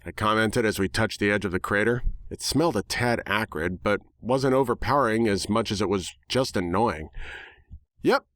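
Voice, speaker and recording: A man narrating a first-person story dramatically, with a wry, sarcastic and animated delivery. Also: fairly low pitch, normal speed, few pauses, no room sound, studio quality.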